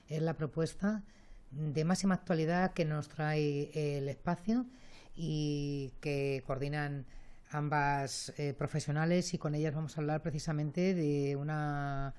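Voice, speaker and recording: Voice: mid-range voice, a little mellow. A radio host introducing a segment and its guests in a conversational way, with hesitant fillers.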